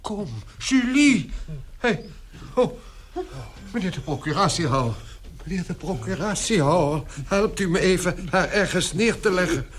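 A man's voice: sits high, animated, measured pace. An actor playing an alarmed middle-aged father in a radio play, exclaiming and fussing. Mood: agitated concern. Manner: exclamatory, agitated.

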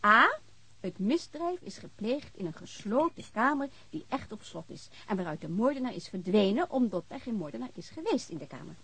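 An actress playing a lively, eager lover of detective novels in a radio drama, chatty and excitable. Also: female voice, fairly high pitch, moderate pace, husky, exaggerated voice, rough recording. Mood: eager, explaining. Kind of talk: naturalistic Dutch radio drama acting.

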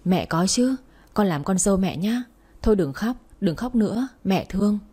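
A woman's voice: medium pitch, animated, normal speed, warm tone, breathy edge. A woman voicing a kind older woman, a future mother-in-law who comforts the girl and bosses her son, in a storybook reading. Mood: soothing. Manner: soothing and motherly. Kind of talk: storybook narration.

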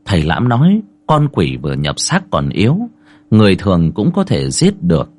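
A man with a husky voice narrating a horror story in an expressive, rising and falling way. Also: sits low, normal speed. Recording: soft music underneath.

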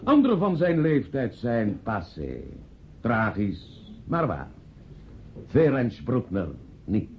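A man's voice: mid-range voice, wildly swooping pitch, takes it slowly. An actor in a radio play voicing a jovial, self-important man making a pompous party speech. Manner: pompous, chuckling oratory. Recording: muffled, noisy old radio play recording.

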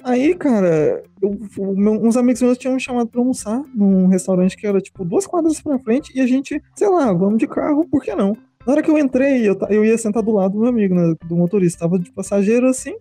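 A man's voice: high-pitched, animated, quick pace, few pauses, warm tone, dry recording, soft background music. A man chatting on a podcast, rambling with lots of fillers. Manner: rambling, fillers like "tipo" and "saca". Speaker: podcast co-host. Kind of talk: casual chat.

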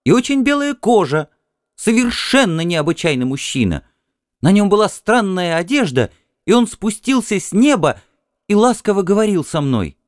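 A dreamy Martian wife, as a male narrator puts her on, her voice raised high and swooping with lively wonder. She sounds breathless and insistent, caught up in a strange vision. The audiobook read is dry and close. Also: normal speed, no room sound. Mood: dreamy, excited. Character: dreamy, excitable Martian wife, adult woman.

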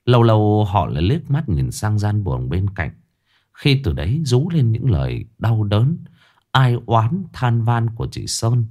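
A man's voice: fairly low pitch, big pitch swings, measured pace, darkish tone. Solemn male ghost-story narrator. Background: faint music.

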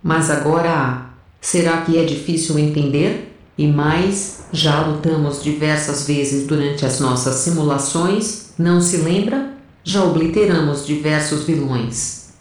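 A woman's voice: sits low, steady tone, a little slow, darkish tone. Woman as brash rebel soldier, very echoey. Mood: defiant, urgent. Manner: brash, insistent. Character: defiant, foul-mouthed female rebel soldier. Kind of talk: audio drama acting. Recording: very echoey, slightly distant.

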